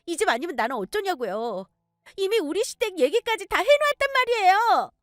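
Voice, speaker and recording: A shrill, entitled young sister-in-law, as a woman puts her on, her voice jumping high and wild as she whines. The sound is close and dry. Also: big pitch swings, a little fast, dry recording. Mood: shrill whining. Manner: shrill, whining, high-strung.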